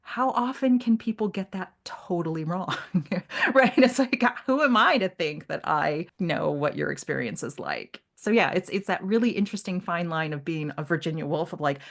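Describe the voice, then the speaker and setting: A woman with a slightly low voice talks as a podcast co-host in a casual literary discussion. She is animated and conversational, often voicing imagined remarks as she explains her thoughts. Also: normal speed.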